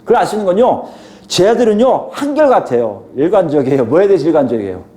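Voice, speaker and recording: Animated high-pitched male pastor preaching. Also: fast talker. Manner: animated, acts out quoted scolding with sudden loud jumps; rhetorical questions to the congregation. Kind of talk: expository sermon.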